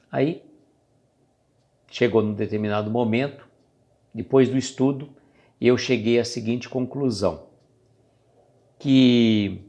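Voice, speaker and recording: With a darkish tone and a mid-range pitch, a man speaking with a Brazilian Portuguese accent chats informally to his live-stream viewers about spiritual things. He is conversational and talkative, though he sometimes loses the thread.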